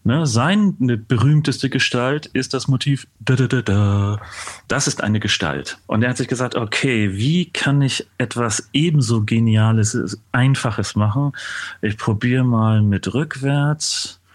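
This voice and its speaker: A man with a middle-pitched voice speaks as a composer guest on a podcast. He explains casually and demonstratively, acting out his thoughts as he goes. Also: measured pace. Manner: animated explaining, acts out thoughts, hums motifs.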